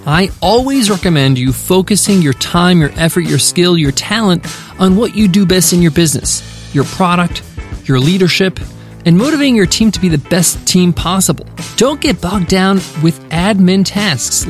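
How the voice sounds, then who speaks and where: Upbeat high-voiced male podcast host. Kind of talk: podcast ad read and lesson wrap-up. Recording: faint guitar music behind. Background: faint guitar music.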